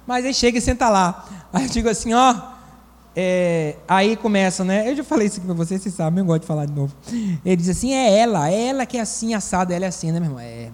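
A man preaching a sermon as pastor and psychologist, lively and acting out the voices he quotes. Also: high-pitched, fast talker, in a large hall. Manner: animated, acts out quoted voices.

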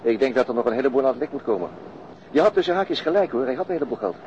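An actor playing a pensive, plain-spoken police detective in a radio drama, understated and conversational. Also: male voice, medium pitch, animated, very fast, darkish tone, close to an everyday voice. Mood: matter-of-fact. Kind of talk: naturalistic radio drama dialogue. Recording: muffled radio drama recording, clear background noise.

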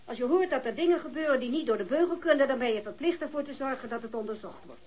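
A woman's voice: sits high, quick pace, a little mellow. A woman acting in a radio drama as a self-righteous housing company manager, prim and condescending. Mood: haughty, self-righteous.

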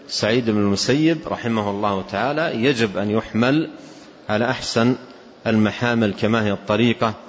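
Deliberate low-voiced male scholar teaching. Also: a little hiss or hum. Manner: deliberate, repeats key phrases for emphasis. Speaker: religious scholar giving commentary. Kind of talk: classical text commentary lesson. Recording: dull lo-fi recording.

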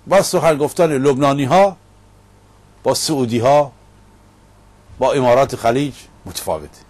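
A middle-aged man hosts a casual monologue show in Paris, recounting a debate in an emphatic storytelling style. His voice is medium in pitch with a darkish tone.

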